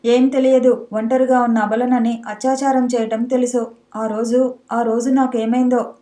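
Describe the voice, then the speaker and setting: A woman's voice: a little high, flat delivery, normal speed, mellow, natural voice. A woman voicing a proud, angry young wealthy wife in a storybook reading, with a haughty, scornful manner. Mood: defiant.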